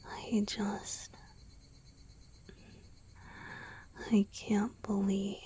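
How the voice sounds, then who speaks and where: A woman voicing a tender, devoted young male vampire boyfriend in a soft, breathy whisper for a romantic ASMR roleplay. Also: medium pitch, slight background noise. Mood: adoring, dreamy. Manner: slow, gentle, devoted, lingering pauses.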